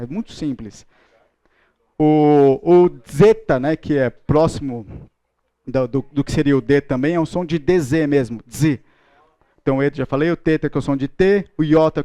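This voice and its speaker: Man, Brazilian Portuguese accent, bible class teacher, joking and playful, higher voice, smooth and clear, dry sound. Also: warm tone, dry recording. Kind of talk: lively classroom lesson.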